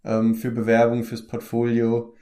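A young actor from the Palatinate in Germany chats casually in an interview, easygoing and full of hesitant fillers and restarts. His mid-range voice is dark-toned, unhurried, and completely flat.

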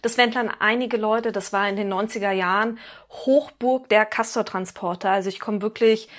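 A woman's voice: mid-range voice, steady tone, normal speed, fairly bright tone. A woman in her thirties from Germany, a guest on a podcast, talking in a chatty, casual way and correcting herself as she goes. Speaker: guest, founder of a musicians' network. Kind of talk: conversational interview.

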